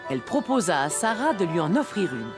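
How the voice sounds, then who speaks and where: A woman's voice: fairly low pitch, sing-song, a little fast, over music. A woman performing as a kindly storybook narrator for a French children's cartoon. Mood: storytelling.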